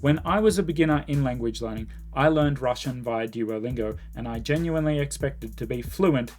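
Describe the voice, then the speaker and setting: A man's voice: medium pitch, fairly quick, darkish tone, faint music behind. A man giving casual, opinionated commentary, blunt and emphatic, often exasperated. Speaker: YouTube language-learning commentator.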